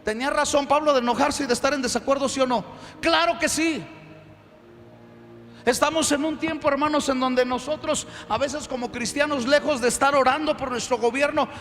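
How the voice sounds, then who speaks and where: A man preaching a sermon as pastor, emphatic and animated, in a church. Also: extremely high pitch, big-room sound.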